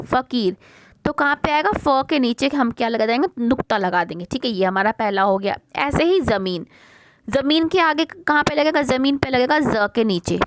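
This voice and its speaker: A woman teaching a worksheet lesson to young pupils. She asks a question, answers it herself, repeats the words slowly and calls the children "beta". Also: sits high, a little hiss or hum. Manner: mixes English words like question, first into her talk.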